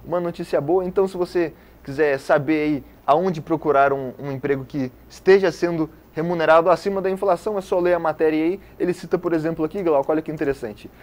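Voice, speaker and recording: A man's voice: a little high, quick pace, few pauses, darkish tone. A man co-presenting the news, enthusiastically recommending a newspaper article in a rambling, informal way. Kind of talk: casual news commentary.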